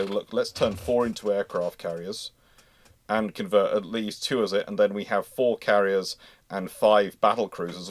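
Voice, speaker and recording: A man hosting a casual live question-and-answer stream, explaining as an expert in a halting way, often repeating and rephrasing mid-thought. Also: fairly low pitch, no room sound.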